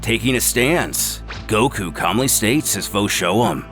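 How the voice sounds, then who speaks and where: Male storyteller, mid-pitched and highly animated, dramatic scripted narration over background music. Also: slow pace.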